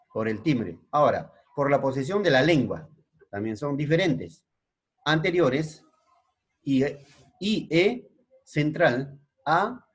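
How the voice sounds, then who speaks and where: A middle-aged male secondary school teacher with a Peruvian Spanish accent gives a slow classroom lesson. He keeps checking in with his pupils. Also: on the high side, husky. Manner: slow, explanatory, frequent checking tags.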